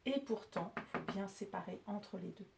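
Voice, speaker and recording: A woman's voice: medium pitch, noisy background. A woman teacher patiently explaining French spelling and syllables to pupils. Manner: slow, patient, clearly articulated explanations. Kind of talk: spelling lesson for children.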